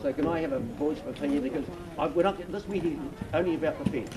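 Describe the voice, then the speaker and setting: A man's voice: a little high, animated, fast talker. A man leading a protest meeting, addressing the gathering informally outdoors. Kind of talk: informal speech to a public meeting. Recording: distant mic amid loud crowd. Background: loud crowd outdoors.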